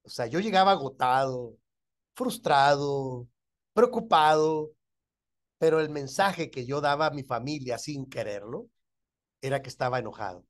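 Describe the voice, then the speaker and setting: A middle-aged pastor with a Mexican accent teaches a church class in a medium-pitched, slightly slow voice. He often asks his listeners whether they agree and chuckles as he talks.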